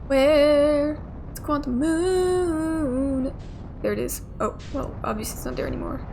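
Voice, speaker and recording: A woman's voice: high-pitched, unhurried, noisy background. A young woman casually commenting and thinking aloud while playing a video game, swearing now and then. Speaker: gamer playing through a game. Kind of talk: casual let's play commentary. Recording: game music playing clearly behind. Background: game music.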